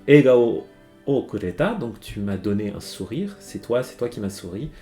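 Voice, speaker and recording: Brief: lowish male voice, a language teacher on a stream who hesitates a lot, soft music underneath. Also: expressive, normal speed. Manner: hesitant, many fillers and restarts. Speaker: Japanese teacher. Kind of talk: live-stream song lyric lesson. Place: home streaming setup.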